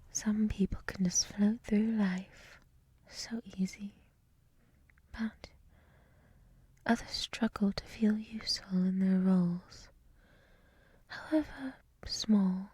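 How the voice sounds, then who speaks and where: A woman voicing a gentle dryad librarian in a soft, breathy whisper for an ASMR roleplay, speaking in a hushed, soothing, reflective way close to the microphone. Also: medium pitch, no room sound. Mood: gentle, welcoming.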